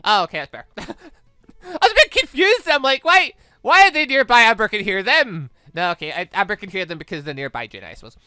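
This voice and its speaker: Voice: mid-range voice, sing-song, a little fast, pushed and bright, clear, resonant tone, no echo, clean studio sound. A let's play host casually commenting on a visual novel and reading its dialogue aloud, rambling and repeating words as they react. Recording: game music behind the voice. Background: background music from the game.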